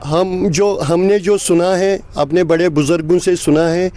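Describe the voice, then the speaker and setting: A man's voice: sits high, fairly even intonation, measured pace, warm tone. A man from Kashmir with a Kashmiri accent, telling local lore as an interviewee in an earnest, repetitive, rambling way. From Kashmir, India. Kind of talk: informal storytelling in an interview. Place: outdoors at a local site. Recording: clear background noise outdoors, passing vehicles.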